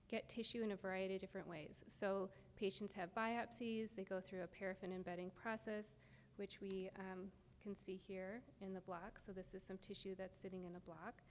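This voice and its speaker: A soft-spoken woman giving an academic lecture, explaining step by step with frequent ums. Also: mid-range voice. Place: lecture hall. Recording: reverberant lecture hall, faint noise.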